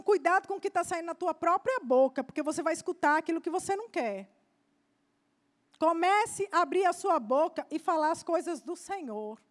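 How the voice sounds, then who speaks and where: A woman preacher giving a fervent sermon, often dropping softly to address her listeners as beloved. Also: very high-pitched.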